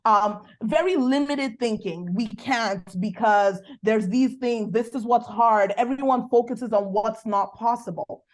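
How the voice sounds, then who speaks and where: A woman with a Nigerian accent, a business coach talking as a podcast guest, animated and preacherly with quick bursts. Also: on the high side. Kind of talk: faith-based coaching conversation.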